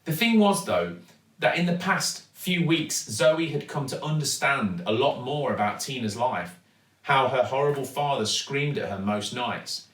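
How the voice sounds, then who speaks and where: Animated man reading a storybook. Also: mid-range voice. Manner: dramatic, deliberate emphasis. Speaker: actor reading a children's story. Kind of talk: expressive storybook narration. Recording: echoey room, distant microphone.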